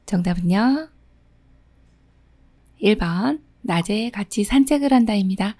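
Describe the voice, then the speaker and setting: A woman's voice: mid-range voice, expressive, unhurried, mellow, no room sound. A middle-aged woman instructor reads out exam questions and patiently explains each answer. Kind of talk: exam question walkthrough lesson.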